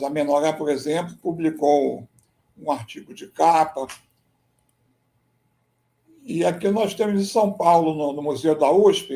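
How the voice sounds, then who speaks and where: A Brazilian man, a military history researcher and writer, giving a measured, explanatory slide presentation and often tagging his sentences with a questioning "né?". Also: fairly high pitch, warm tone. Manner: measured, explanatory, with frequent "né?" tags.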